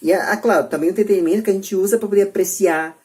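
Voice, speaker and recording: Brazilian male podcaster, husky, slightly high voice, earnest, building points in short repeated phrases. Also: rapid-fire, darkish tone. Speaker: podcast debate participant. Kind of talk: casual opinionated podcast talk.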